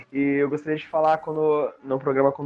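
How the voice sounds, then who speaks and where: Noticeable background noise sits under this recording. A man talks at a moderate pace with monotone, flat intonation. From São Paulo, Brazil. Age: 30s. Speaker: illustrator and comic artist, listener. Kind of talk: recorded voice message. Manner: halting, many fillers.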